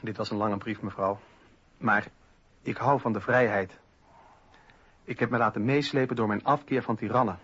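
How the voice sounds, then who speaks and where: An actor playing an earnest, articulate young philosopher reading out his letter in a radio play, with a husky voice. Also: lowish voice, steady tone, moderate pace, long pauses, fairly bright tone. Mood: earnest, apologetic. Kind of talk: radio drama letter monologue. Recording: dull lo-fi old radio recording.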